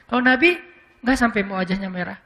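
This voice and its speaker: Speaking in a big, resonant room, this Islamic preacher has a high, sharp voice. His lecture is relaxed and chatty, with plenty of fillers and English mixed in, though he turns slow and solemn when voicing quotations.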